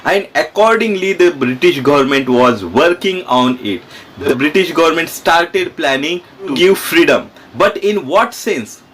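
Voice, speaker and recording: Indian male teacher with a higher-pitched voice. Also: lively intonation, a little slow, fairly bright tone, slightly rough. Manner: repetitive, asks questions and checks in with students. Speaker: school history teacher. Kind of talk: explanatory lesson addressed to students.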